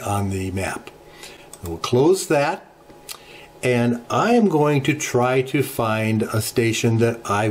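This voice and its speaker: A middle-aged man hosting a ham radio channel, walking through software settings in an unhurried tutorial with many filler pauses, recorded at a desk in his home radio room. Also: mid-range voice, slight background noise. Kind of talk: screen-share software tutorial. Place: home radio shack, indoors.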